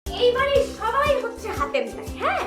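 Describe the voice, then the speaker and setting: A woman's voice: extremely high pitch, big pitch swings, brisk, music in the background. An actress playing an exasperated woman who scolds her household in a TV drama. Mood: scolding. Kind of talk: TV drama acting. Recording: echoey room with noticeable background noise.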